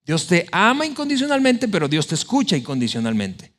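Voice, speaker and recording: Male pastor, high voice, animated sermon delivery with acted-out quotes. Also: brisk.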